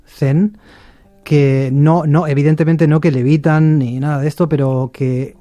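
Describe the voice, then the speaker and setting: A middle-aged man from Argentina, a shakuhachi musician, talking in a relaxed interview with many fillers and restarts. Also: fairly high pitch, a little slow, no room sound, muffled recording.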